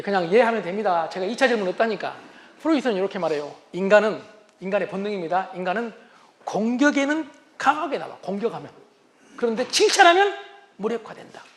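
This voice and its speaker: Brief: male lecturer, very high for a man, lively storytelling delivery in a comedic talk. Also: fast talker. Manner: animated, acts out spouses' lines. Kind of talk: humorous lecture.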